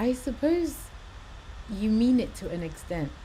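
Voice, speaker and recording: The speaker has an English accent and talks at a fairly slow pace. Room echo is audible, and background noise is noticeable. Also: woman. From England. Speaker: livestreamer. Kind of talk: casual chat. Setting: live stream.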